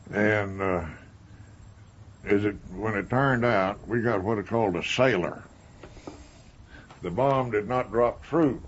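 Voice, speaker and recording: A man's voice: on the low side, breathy edge, highs cut off. An American man, a war veteran, telling his own story in a folksy way. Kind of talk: recorded testimony, folksy storytelling.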